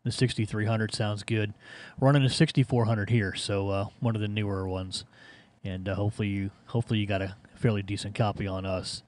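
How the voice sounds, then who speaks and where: A man with a low voice and an American accent talks casually as an amateur radio operator. He rambles along in an easygoing way. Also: little pitch movement, a little fast, darkish tone. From Ohio, United States. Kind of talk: casual ham radio chat.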